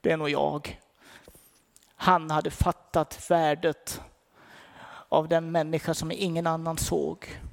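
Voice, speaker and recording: Fervent preacher, high and gravelly. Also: male voice, little pitch movement, pauses often. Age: older. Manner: fervent, rising to emphatic peaks then dropping to soft storytelling. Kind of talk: sermon.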